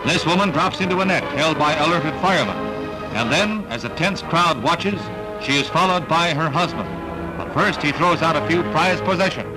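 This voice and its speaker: A man gives an old newsreel narration in a slightly raised voice, delivered with emphatic, dramatic weight. Loud newsreel music plays right under him throughout the voice-over. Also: a little high, expressive, moderate pace, poor audio.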